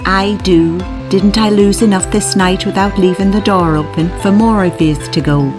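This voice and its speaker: A woman's voice: mid-range voice, steady tone, normal speed, music in the background, pitched above the performer's own voice, lightly acted. A woman voicing a frantic peasant widow mother, wailing and pleading. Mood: scolding.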